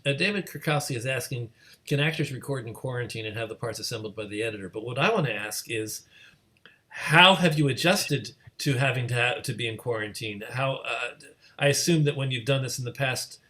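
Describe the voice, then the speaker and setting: A man's voice: mid-range voice, fairly quick, bright, forceful tone. A man with a mid-range voice acts as moderator of an informal interview. He speaks conversationally, relaying questions to a guest over an online call.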